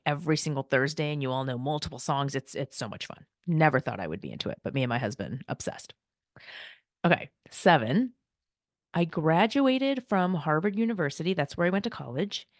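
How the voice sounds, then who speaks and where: A woman's voice: deep voice, no room sound, studio quality. A woman, chatting casually and light-heartedly as a podcast host, laughing often. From United States. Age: 40s. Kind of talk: casual personal chat.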